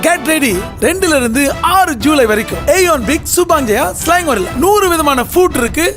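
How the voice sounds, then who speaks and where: A woman delivers an advert voice-over. She sounds upbeat and colloquial, switching into English phrases, with loud music playing underneath. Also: lively intonation, moderate pace. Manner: upbeat sales pitch. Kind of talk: promotional advert read, colloquial Tamil mixed with English. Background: prominent music.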